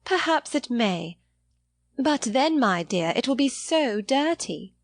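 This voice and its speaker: A woman's voice: fairly high pitch, very animated, slow pace, dry recording, studio quality, voice pushed up, full character voice. A woman voicing a placid, trivial-minded married lady in a period novel audiobook, chatting in a mildly fretful manner. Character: placid, trivial-minded middle-aged married lady, fussy about clothes.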